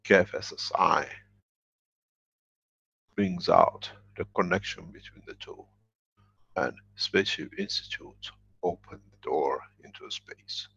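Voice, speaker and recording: A man's voice: low-pitched, animated, slow pace, vocal fry, pauses often, pushed and bright, breathy edge. A man giving a workshop lecture, speaking emphatically and repeating his key phrases. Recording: dull lo-fi recording.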